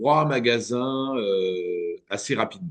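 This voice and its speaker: A man speaks at a very slow pace. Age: 60s. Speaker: business owner. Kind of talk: interview. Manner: halting.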